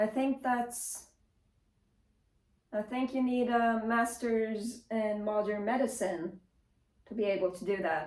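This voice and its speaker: At a very slow pace, a woman with a fairly high voice and ordinary pitch variation speaks with long, frequent pauses. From Sweden. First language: Swedish. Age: 20s. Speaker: vlogger. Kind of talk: casual vlog monologue. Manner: stumbling on words.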